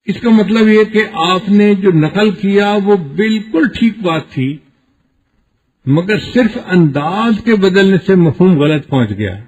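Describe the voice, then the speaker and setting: A man preaching a sermon in a husky, slightly raised voice, teaching through everyday examples and little acted quotes. The recording is dull and lo-fi. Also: high voice, expressive. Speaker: Islamic preacher.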